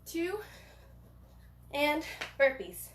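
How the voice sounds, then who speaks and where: Breathless high-voiced woman coaching a workout. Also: very animated, drawn-out words, a bit bright, a little hiss or hum. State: out of breath from exertion. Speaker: gymnastics coach leading a workout. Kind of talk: instructional workout coaching, casual. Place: indoor gym. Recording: echoey gym, roomy sound.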